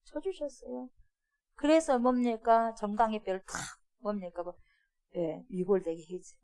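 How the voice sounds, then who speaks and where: Middle-aged woman pastor, higher voice, animated sermon with questions to the congregation. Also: a little slow. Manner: animated preaching, asks the congregation questions, swings from loud to hushed. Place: church sanctuary.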